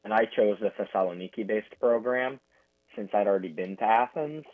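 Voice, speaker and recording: A man's voice: lowish voice, a little fast, dry recording. A young man answering interview questions over a phone line, earnest and plain-spoken. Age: young adult. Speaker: guest.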